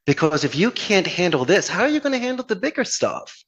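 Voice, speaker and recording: His voice is high, very animated, fairly quick and a bit bright, though the recording is muffled. This Philadelphia man with a Philadelphia accent owns a call center and, as a podcast guest, tells earnest, flowery motivational stories punctuated by rhetorical questions.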